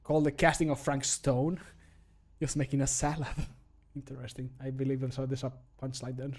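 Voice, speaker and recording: A man's voice: medium pitch, flat delivery, moderate pace, darkish tone. A middle-aged man chatting casually on a live stream in a playful, joking, self-deprecating way. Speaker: streamer and Skyrim modder. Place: home room, indoors.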